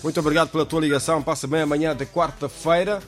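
A man runs a morning call-in radio show in a slightly raised voice. He is friendly and chatty and echoes his callers' words back to them. Soft music plays quietly behind him. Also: a little high, fairly even intonation, quick pace. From Mozambique. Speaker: radio host taking calls.

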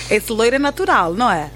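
A woman's voice: a little high, a bit bright, slight background noise. A Mozambican woman with a Portuguese accent of her country, hosting a chatty live studio interview in an effusive, exclaiming manner. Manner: effusive, exclaiming, repeats the guest's answers. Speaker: radio host interviewing a guest. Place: radio studio.

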